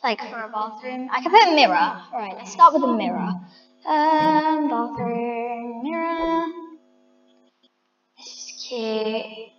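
A woman's voice: a little high, animated, takes it slowly, pushed and bright, in a large hall, highs cut off, faint music behind. A woman chatting to her viewers as she decorates a house in a game, thinking aloud. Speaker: vlogger. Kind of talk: casual game commentary.

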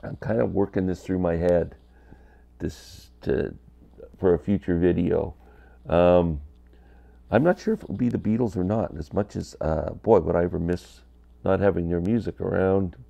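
Low, mellow-toned man in his fifties, congested with a cold, candid basement vlogger on an earbud mic. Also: moderate pace, creaky. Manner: chatty, candid, gestures a lot with hands. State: stuffy from a cold. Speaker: vinyl collector vlogger. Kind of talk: casual rambling vlog. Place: basement room, indoors, small.

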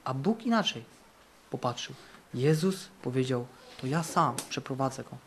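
A man preaching a fervent sermon at a Christian camp, repeating phrases for emphasis and swinging between loud declarations and hushed passages. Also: medium pitch, animated, normal speed, a little hiss or hum. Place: camp meeting.

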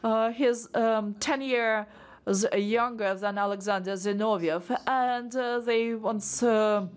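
A woman interpreting a conference panel as it happens, her voice sitting a little on the high side. She speaks in stop-start phrases, filling gaps with frequent pauses and restarting sentences as she catches up with each speaker. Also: steady tone, clear, resonant tone. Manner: halting, many filler pauses and restarts while rendering speech. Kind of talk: simultaneous interpretation of a panel discussion.

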